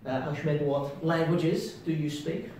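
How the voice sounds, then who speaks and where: A man's voice: a little high, fairly even intonation, slow pace, darkish tone, distant mic, slight background noise. Dry-humored Englishman in an echoey room. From England. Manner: dry, self-deprecating humor. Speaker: co-host. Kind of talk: casual chat.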